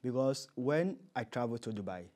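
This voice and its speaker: A man's voice: medium pitch, lively intonation, normal speed, a little mellow. A man with a Nigerian accent speaking as an interview guest, conversational and emphatic, often repeating his key phrases.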